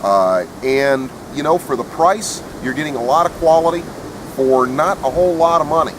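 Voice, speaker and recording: A man's voice: on the high side, normal speed. A man giving a casual, unscripted product review in a plainspoken, opinionated way, recorded outdoors. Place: outdoors in wind. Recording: windy outdoor recording with clear noise.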